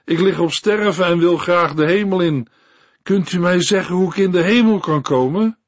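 A man's voice: sits high, normal speed, dry recording, voice pushed up. A man voicing a poor dying woman who desperately asks how to get into heaven. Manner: desperate, crying out.

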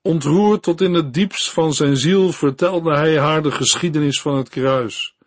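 Male narrator, christian story reading, calm and measured, slow, fairly high voice, dry close sound. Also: no echo. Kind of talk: read-aloud Christian story.

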